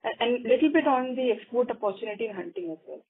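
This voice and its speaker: A woman's voice: a little high, expressive, fast talker, husky. A woman analyst asking questions on an earnings call over a phone line. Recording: muffled narrow phone line.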